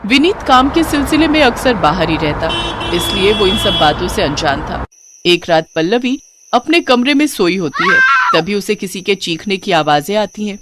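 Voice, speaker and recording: Expressive woman storyteller with lively pitch. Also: normal speed, heavy background noise. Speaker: story narrator.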